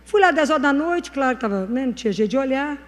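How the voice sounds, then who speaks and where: A woman's voice: sits high, animated, quick pace. A woman giving a conversational testimony sermon, telling stories and speaking earnestly about faith. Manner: storytelling, acting out dialogue. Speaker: Christian speaker. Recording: long hall reverb.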